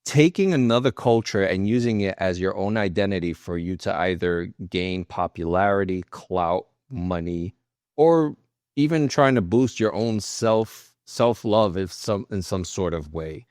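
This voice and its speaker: A man talking informally on a podcast panel, halting now and then as he gathers his thoughts. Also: low voice, a little mellow, dry recording, studio quality. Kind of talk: casual panel discussion with personal anecdotes.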